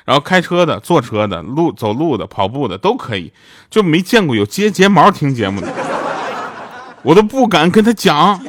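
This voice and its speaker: Very animated and speaking at normal speed, a man with a fairly high voice plugs his show as a radio drama voice actor. His casual monologue is a string of funny stories, and he cracks up at his own punchlines.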